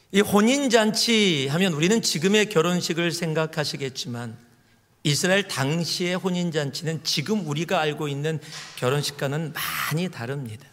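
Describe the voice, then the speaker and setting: A middle-aged man, a senior pastor, preaching a sermon in a storytelling way, his pitch and volume rising and falling widely. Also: fairly bright tone. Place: church sanctuary. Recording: long hall reverb.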